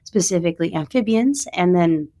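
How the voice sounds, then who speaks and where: Woman with a low voice, explaining. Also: animated, normal speed, mellow. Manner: clear, organized explanation. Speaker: guest, research program lead. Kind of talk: interview self-introduction.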